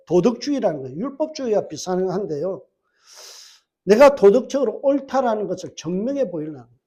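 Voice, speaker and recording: High-voiced male pastor preaching. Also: darkish tone. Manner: asks the congregation rhetorical questions and answers them; emphatic preaching with repeated phrases. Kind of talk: sermon. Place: church service.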